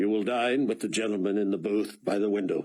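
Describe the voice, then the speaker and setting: A man puts on a character voice with a fairly low pitch. He speaks at a fairly quick pace. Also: very even loudness. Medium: read story. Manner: terse, formal, commanding.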